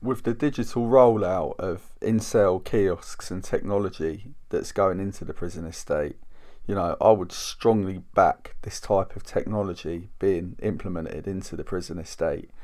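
With an English accent, a man speaks at a moderate pace in a dark, mellow tone, his fairly low pitch showing ordinary variation. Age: 30s. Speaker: podcast host. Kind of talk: solo podcast monologue.

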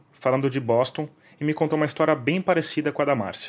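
Here a man talks at a fairly quick pace in a normal speaking voice. His pitch is fairly high and his intonation fairly even. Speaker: podcast host and journalist. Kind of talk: scripted narration.

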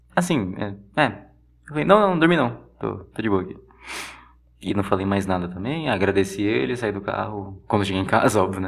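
The voice has vocal fry and lively intonation, moving at a moderate pace with audible room echo. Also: man, fairly low pitch for a man. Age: 20s. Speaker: solo podcaster. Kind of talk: casual monologue. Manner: halting.

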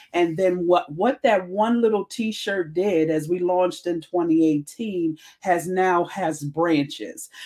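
Her American accent carrying a dark, mellow tone, a woman speaks at a very slow pace with hardly any pauses, a fairly low pitch and ordinary pitch variation. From Harrisburg, Pennsylvania. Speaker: podcast host and author. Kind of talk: testimony.

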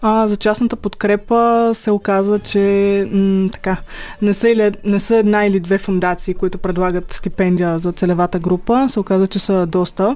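Over noticeable background noise, a woman at a medium pitch speaks at a moderate pace with very even loudness and fairly even intonation. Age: young. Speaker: student and platform founder. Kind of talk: interview.

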